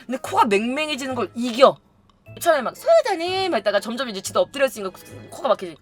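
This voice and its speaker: A woman's voice: a little high, expressive, very fast, soft background music. A woman casually telling a funny story to her viewers, acting out other people's lines and laughing often. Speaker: YouTube storyteller.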